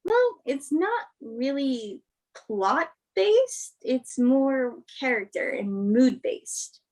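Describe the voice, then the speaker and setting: A fairly high female voice that takes its time over each phrase. A woman acting as a frank, principled movie star in a staged play reading. She answers interview questions in a measured, reflective, conversational way. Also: very animated, darkish tone, full character voice, rough recording. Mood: earnest. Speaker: actress in a virtual staged reading.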